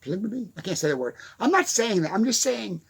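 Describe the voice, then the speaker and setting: A man's voice: high voice, sing-song, quick pace, vocal fry, husky. A man giving a casual, rambling motivational rant to camera in his apartment, laughing and going off on asides. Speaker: motivational YouTuber.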